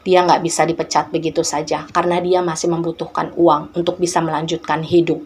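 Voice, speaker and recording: A woman narrating a story in an informal, explanatory way, talking directly to her listeners. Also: medium pitch. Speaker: storyteller and channel host.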